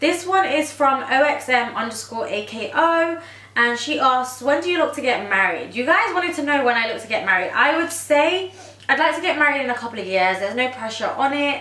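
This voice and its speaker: A woman with a high pitch speaks at a fairly quick pace in a raised, projected voice with lively intonation. Noticeable background noise and audible room echo fill the recording. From UK. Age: 20s. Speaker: beauty YouTuber. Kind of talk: casual Q&A vlog. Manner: casual chatty.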